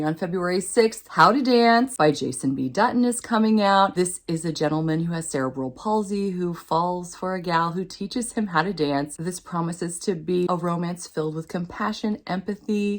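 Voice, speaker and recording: A woman hosting a book vlog, chatting to camera with gushing, emphatic enthusiasm. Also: lowish voice. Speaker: book vlogger, channel host. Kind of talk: upbeat book chat to camera.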